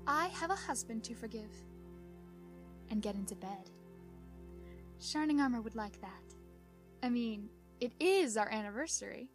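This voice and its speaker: A woman's voice: on the high side, animated, measured pace, pauses often, soft background music. A woman voicing an exasperated but adoring pony wife in a confiding, dramatic way for a fan fiction audio drama. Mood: tender, smitten.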